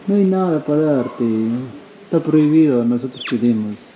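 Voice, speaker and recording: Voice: medium pitch, expressive, normal speed, dark tone, slight background noise. A travel vlogger with a Peruvian Spanish accent, chatting casually outdoors and cooing fondly at animals. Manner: coos and exclaims fondly at animals. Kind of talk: casual travel vlog commentary. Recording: dull lo-fi with faint outdoor ambience.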